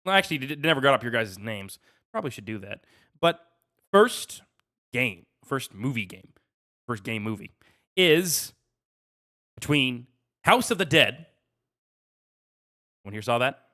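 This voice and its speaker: A man co-hosts a casual podcast and runs a quiz segment. His voice is bright and sits at an average pitch. The talk is informal and conversational. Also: sing-song, unhurried, pauses often. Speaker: podcast co-host running a quiz game.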